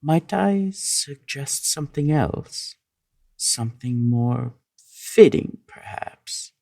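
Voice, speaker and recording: A man playing a scheming, manipulative royal advisor in a fantasy audio drama, with a sly, flattering, insinuating drawn-out delivery. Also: mid-range voice, gravelly, no room sound, studio quality.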